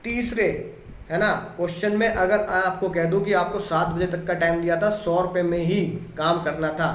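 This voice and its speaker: A male teacher giving an energetic exam-prep lecture, repeating key words and answering himself in a lower voice for his students. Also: normal speed, reverberant.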